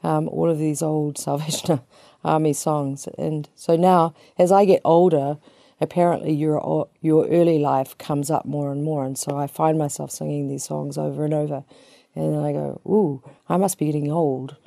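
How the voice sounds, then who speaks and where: A woman's voice: low voice, fairly even intonation, moderate pace, vocal fry, dark tone, dry recording. A woman in her fifties with a New Zealand accent, a psychotherapist introducing herself in a small studio with chatty, self-deprecating humor. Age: 50s. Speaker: psychotherapist guest. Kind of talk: relaxed personal introduction.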